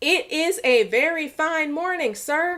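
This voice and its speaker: A woman puts on a loud, squeaky character voice at an extremely high pitch. She speaks at a fairly slow pace with lively intonation. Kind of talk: polite, formal. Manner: loud, raised voice.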